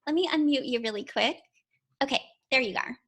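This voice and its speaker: A high-pitched woman hosts a live panel over a video call. She sounds upbeat and encouraging, and she leans on fillers between thoughts. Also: a little fast, a bit bright.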